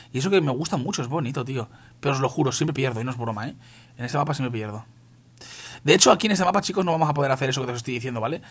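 A man's voice: medium pitch, a bit bright. A young man from Spain with a Castilian accent, casually commentating his mobile shooter match for viewers, swearing and calling everyone "tío". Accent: Spain Spanish. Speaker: gaming youtuber.

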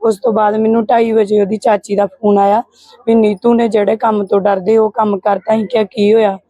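A woman's voice: mid-range voice, flat delivery, a little fast, mellow, dry recording, muffled recording. A Punjabi woman, the victim's aunt, answering a reporter and steadily recounting phone calls. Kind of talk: interview answers.

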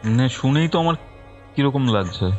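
A woman with an extremely low, lively pitched voice hosts a casual phone conversation. She gives short reactions and mixes in English. The sound is dull, with music behind. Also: moderate pace. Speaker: host listening to a caller's story. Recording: muffled call audio under music. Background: background music.

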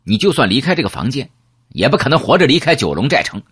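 A man voicing a hostile young henchman with a forceful, menacing manner in an audiobook. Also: medium pitch, sing-song, quick pace, slightly rough, pitched above the performer's own voice, full character voice. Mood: threatening.

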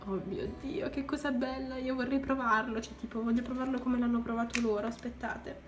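Young woman, crafts vlogger, gushing and exclamatory; highish voice, echoey room. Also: steady tone, a little fast, over music. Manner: gushing, keeps exclaiming in delight. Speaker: crafts vlogger unboxing supplies. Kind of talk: excited unboxing vlog.

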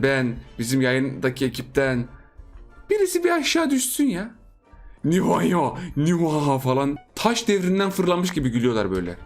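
A young man giving playful gameplay commentary for his channel, joking, teasing opponents and laughing often. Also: a little high. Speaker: gaming YouTuber.

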